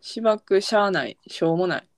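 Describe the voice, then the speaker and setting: A woman's voice: mid-range voice, lively intonation, quick pace, dry recording. A woman with a Kansai accent, a podcast co-host, easygoing in casual chat as she reels off dialect words.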